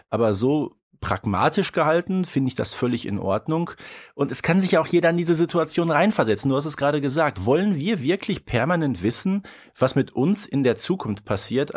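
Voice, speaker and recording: A man co-hosting a podcast, chatting off the cuff in a colloquial, pragmatic way with hesitant phrasing. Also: medium pitch. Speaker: podcast co-host. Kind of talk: casual unscripted review chat.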